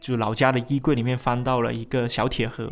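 Flat, monotone intonation at a fairly quick pace on a very clean recording with a silent background. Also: man. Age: 30s. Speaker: music podcast host. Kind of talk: solo podcast monologue.

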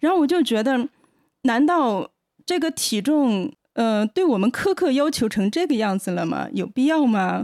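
A woman speaks at a fairly slow pace with a high pitch and very wide pitch swings. The recording is very clean, with a silent background. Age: 30s. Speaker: novelist and screenwriter. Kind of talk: casual podcast conversation.

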